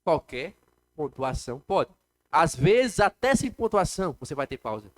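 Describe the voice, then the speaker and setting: A man with a Brazilian Portuguese accent gives a lecture in a classroom. His voice sits a little high, and he explains step by step, often asking the class questions. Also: very animated, normal speed. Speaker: teacher. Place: classroom with students.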